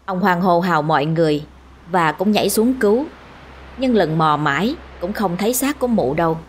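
A woman narrating a scripted village ghost story in a steady, measured way. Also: lowish voice, slight background noise.

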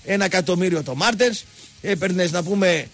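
Husky high-voiced man ranting on radio. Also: soft background music. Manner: animated, mocking, digressive storyteller. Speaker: radio sports show host. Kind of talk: rambling football commentary on radio. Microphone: radio studio microphone.

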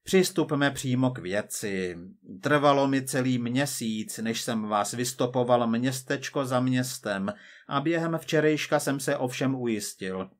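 A man voicing a cold, persistent male agent from the future, measured and quietly menacing. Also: mid-range voice, lightly acted.

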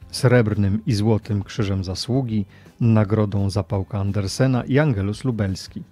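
A man's voice: on the low side, warm tone, slightly rough. A man, speaking as a podcast host. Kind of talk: podcast introduction and interview.

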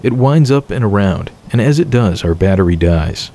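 Low, dark-voiced male narrator. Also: expressive, moderate pace. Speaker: urban exploration narrator. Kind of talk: scripted voice-over narration.

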